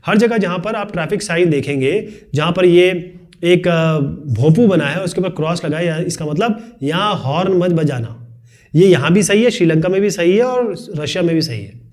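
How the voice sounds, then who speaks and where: A man teaching a video lesson, explaining quickly and chattily with joking asides. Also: sits high, animated, a little mellow. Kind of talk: fast classroom video lesson.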